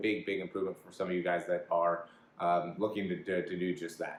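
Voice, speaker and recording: The man talks at a fairly quick pace. His pitch moves in an ordinary way. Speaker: sprint coach. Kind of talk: tutorial. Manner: fast.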